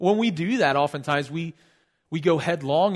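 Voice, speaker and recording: A man with a plain, everyday voice, talking at a fairly quick pace with ordinary pitch variation over a quiet background. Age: 30s. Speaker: pastor. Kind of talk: sermon.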